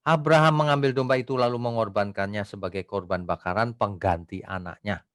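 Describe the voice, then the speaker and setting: Low-voiced man teaching a Bible study. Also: no room sound, clean studio sound. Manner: explains slowly with rhetorical questions and frequent "ya"; reads scripture aloud slowly.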